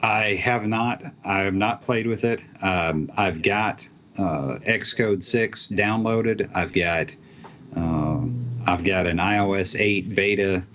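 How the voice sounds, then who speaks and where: A man with a very low voice chats casually about programming. He talks haltingly, with lots of ums and restarts. There is a faint hiss of noise in the background. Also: a bit bright. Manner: halting, many fillers and restarts. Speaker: app developer guest. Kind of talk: casual tech chat.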